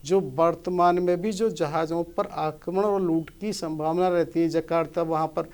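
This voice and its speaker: A man's voice: fairly high pitch, fairly even intonation, normal speed, a little mellow. A man, a motivational speaker, earnestly explains scripture in a conversational way and asks rhetorical questions.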